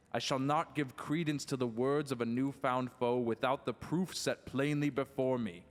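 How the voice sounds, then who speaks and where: A man's voice: mid-range voice, lightly acted. An actor playing a stern, protective medieval king who speaks in formal, archaic phrases with solemn authority in a fantasy audio drama. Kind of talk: fantasy audio roleplay acting. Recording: long hall reverb.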